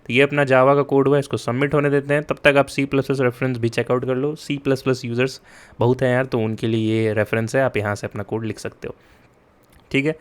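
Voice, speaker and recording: Here a chatty young coding tutor gives a casual explained lesson in a clear, resonant, medium-pitched voice that moves little in pitch and runs a little fast. Mixing Hindi and English with plenty of "yaar" and "theek hai?", he speaks directly to students and pushes them to take notes.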